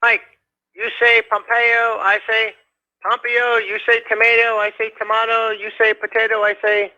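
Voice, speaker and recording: A man calling in to a radio show, rambling in a halting way with many fillers and restarts. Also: high-pitched, monotone, sharp tone. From United States. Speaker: caller. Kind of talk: rambling call-in chat. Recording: dull lo-fi phone call.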